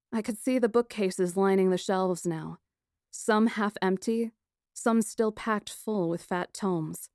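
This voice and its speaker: A woman narrates scripted fantasy fiction in the first person. Her delivery is dramatic and expressive, with a mid-range pitch. The sound is dry, free of room echo. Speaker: audiobook narrator.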